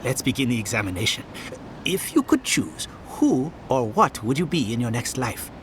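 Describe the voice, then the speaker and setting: A man's voice: medium pitch, big pitch swings, moderate pace, a little hiss or hum, lightly acted. An actor playing a fussy, pompous male researcher with a theatrical, sardonic, condescending manner. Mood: eager, prying. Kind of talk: video game character dialogue.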